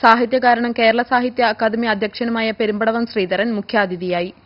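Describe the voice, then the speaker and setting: Higher-voiced woman reading formal news. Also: fairly even intonation, moderate pace, faint music behind. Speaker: news reader. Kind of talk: scripted news narration. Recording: dull, lo-fi broadcast audio.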